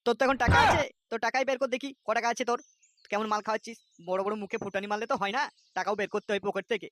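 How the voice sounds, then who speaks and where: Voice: mid-range voice, very fast, a bit bright, no echo, close to an everyday voice. Actor as an irritable male cartoon boss, West Bengal accent, breakneck coarse scolding, dry close sound. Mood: mocking. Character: irritable, scolding male neighbourhood club boss, angry father. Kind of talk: comic cartoon voice acting.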